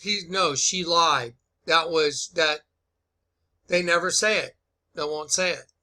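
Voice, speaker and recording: A man's voice: a little high, slow, bright, forceful tone. A man giving informal commentary on clips, speaking in an emphatic, repetitive and incredulous way. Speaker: online video commentator. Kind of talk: informal opinion commentary over played clips.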